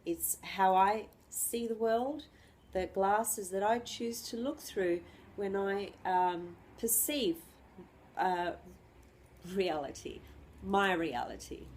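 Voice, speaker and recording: A woman astrologer with the flu giving an unscripted lesson, clearing her throat and pausing often with ums and restarts. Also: medium pitch, slight background noise. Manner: hesitant, many ums and restarts.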